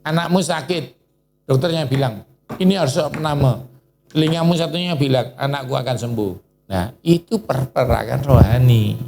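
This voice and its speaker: A man preaching a sermon in Indonesian churches' lively style, asking the congregation questions and calling on a reader. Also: a little high, moderate pace, gravelly.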